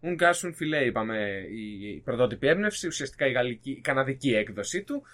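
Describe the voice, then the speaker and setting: A young adult man hosting a podcast in casual chat, joking and lively in delivery. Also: medium pitch. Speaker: podcast host.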